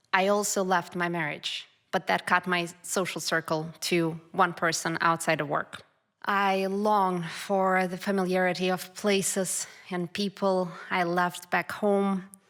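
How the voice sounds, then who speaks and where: On a very clean recording with a silent background, a woman with a Russian accent talks at a fairly slow pace in a medium pitch with monotone, flat intonation. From Russia, Moscow. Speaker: storyteller. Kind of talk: live storytelling.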